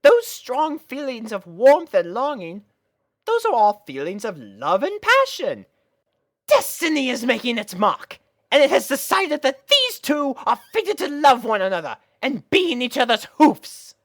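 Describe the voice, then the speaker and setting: A woman's voice: high-pitched, wildly swooping pitch, measured pace, no room sound, clean studio sound, voice pushed up, heavily acted. A woman voicing a coy, genteel older-sister pony, theatrical and knowing, in a storybook reading. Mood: coy, dramatic. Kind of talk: storybook character voice in a fan fiction reading.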